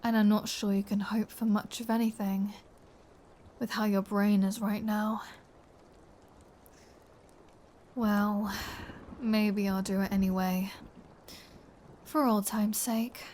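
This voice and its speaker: A woman's voice: medium pitch, little pitch movement, a little slow, long pauses, darkish tone, slight background noise, lightly acted. A woman playing a flirty, playful vampire with a threatening edge, in a teasing, sardonic ASMR audio roleplay. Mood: wry, menacing. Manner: teasing, sardonic, lingering delivery. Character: flirty, playful, threatening adult female vampire toying with a hunter. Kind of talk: scripted ASMR audio roleplay, one-sided conversation.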